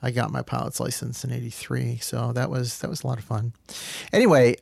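A man's voice: medium pitch, completely flat delivery, a little fast, creaky, a little mellow, husky, dry recording, clean studio sound. A middle-aged man from the Boston area, a guest speaking casually in an easygoing, rambling way with restarts. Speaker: guest, former studio engineer. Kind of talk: casual interview chat.

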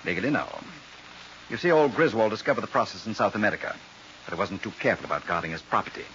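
Deep menacing army colonel villain, super formal and precise, bright edge, old 40s radio crime show. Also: male voice, sing-song, racing. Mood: smug, menacing. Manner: formal, precise, coldly polite military officer. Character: soft-spoken, menacing male colonel, murderous gang boss. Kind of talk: 1940s radio crime drama acting. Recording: muffled, noisy old radio recording.

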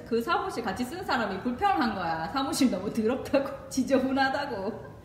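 With a Gyeongsang Korean accent, this lively woman from the Gyeongsang region, a doctor who runs a parenting channel, talks casually to her viewers with advice. She laughs often and drops in English phrases. Her mic is at a distance in an echoey room with a faint rumble.

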